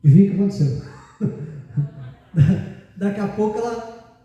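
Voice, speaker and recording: High-voiced Brazilian pastor in an echoey hall. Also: male voice, expressive, takes it slowly, warm tone, muffled recording. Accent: Brazilian Portuguese. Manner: conversational, hedging and self-correcting as he recalls details. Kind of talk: storytelling sermon. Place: large church hall. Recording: echoey church hall from far off.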